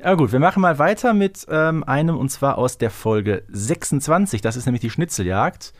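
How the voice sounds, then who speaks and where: Animated male podcast co-host. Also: medium pitch, moderate pace. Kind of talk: casual chat about audio dramas.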